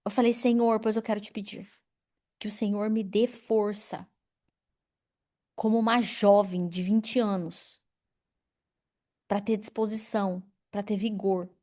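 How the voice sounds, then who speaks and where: A woman in her forties preaching a sermon in an animated, personal way, calling on members of the congregation by name. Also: medium pitch. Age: 40s. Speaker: pastor.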